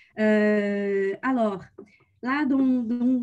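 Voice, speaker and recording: A woman with a Portuguese accent speaks in a dark, mellow tone. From Brazil. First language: Portuguese (speaking French). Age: 40s. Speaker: expat consultant, entrepreneur. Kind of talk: webinar presentation. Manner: hesitant, many fillers.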